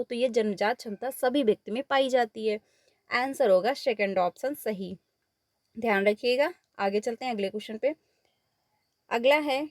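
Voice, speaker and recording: A woman's slightly high voice guides students through exam questions step by step, blending English into her Hindi and going over the answers again. The audio is clean studio sound without room noise.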